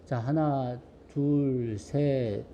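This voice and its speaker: A man's voice: mid-range voice, steady tone, drawn-out words, dull audio, a crowd in the background. A middle-aged male pastor leading a children's worship service, playful and cheerful, calling out names and counting aloud. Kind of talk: lively children's worship greeting. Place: church sanctuary.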